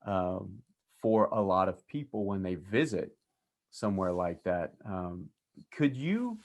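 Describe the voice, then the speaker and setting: Male class host, lower voice, halting and searching for his words, on a video call. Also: expressive, a little mellow. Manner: hesitant, searching for words, with many ums and restarts. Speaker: university instructor hosting a class. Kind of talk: class interview.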